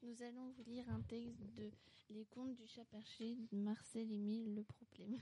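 A woman reading a children's story aloud in a careful, measured way. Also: on the high side, little pitch movement.

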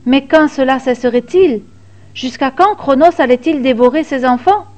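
Woman reading a myth serial, fairly high voice. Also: moderate pace. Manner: expressive, dramatic reading. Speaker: storyteller. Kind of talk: storybook serial narration.

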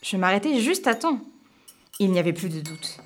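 A woman reads a children's story aloud in a middle-pitched voice. Her telling is expressive and lively, lingering on tense moments. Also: moderate pace. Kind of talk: reading a children's tale aloud.

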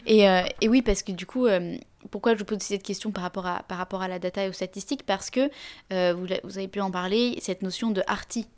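A woman hosting a podcast, asking long questions that wander and circle back. Her talk is full of small fillers and restarts, and she sits at a middle pitch. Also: fairly even intonation, quick pace, darkish tone. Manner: hesitant, long winding questions with many fillers. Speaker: podcast host. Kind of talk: conversational interview.

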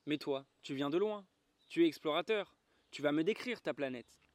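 A man's voice: on the high side, lively intonation, normal speed, dry recording, natural voice. A man reading as a pompous old geographer. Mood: lofty.

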